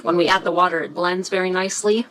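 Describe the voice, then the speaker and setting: A woman hosting a casual craft tutorial, chatty and hesitant, often pausing to search for words. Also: on the low side, steady tone, a bit bright, slight background noise, poor audio. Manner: chatty, self-deprecating about pronunciation.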